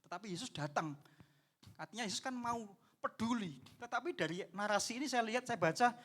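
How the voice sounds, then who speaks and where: High-voiced pastor preaching animatedly. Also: male voice, brisk. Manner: animated preaching, acts out the people in the story; addresses the congregation as "saudara". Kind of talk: sermon.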